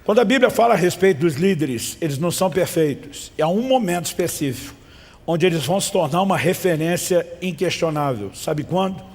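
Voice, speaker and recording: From the pulpit of a large, reverberant church hall, a Brazilian pastor preaches emphatically and has the congregation repeat after him. He sounds animated and fairly quick, his darkish voice pitched a little high for a man.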